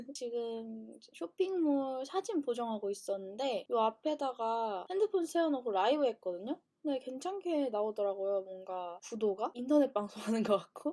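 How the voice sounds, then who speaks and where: Her tone is dark and mellow, her pitch fairly high for a woman, with very wide pitch swings. She keeps a moderate pace with hardly any pauses. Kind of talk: casual Q&A talk to camera. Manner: relaxed, radio-like.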